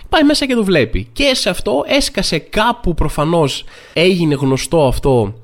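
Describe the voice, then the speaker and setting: A young man hosting a podcast, telling a funny story in a casual, slangy monologue and acting out the people he quotes. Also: high voice. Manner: animated storytelling, acts out quoted voices. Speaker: podcast host. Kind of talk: comic monologue.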